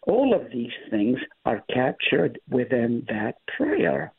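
Middle Eastern pastor, native Hebrew speaker, lively emphatic teacher, husky voice over a thin phone line. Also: male voice, mid-range voice, takes it slowly. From Middle East. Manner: emphatic, explaining with rising stress. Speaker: pastor guest. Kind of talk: Bible study discussion. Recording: tinny phone-line audio.

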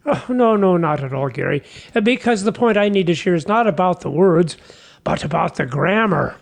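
Give me a humble fisherman apostle for a radio skit, high-pitched, earnest and halting. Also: lively intonation, vocal fry. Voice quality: halting, repeats his words. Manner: earnest, homespun, chatty. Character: humble folksy fisherman apostle, middle-aged man. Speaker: guest character. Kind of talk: comic radio sketch.

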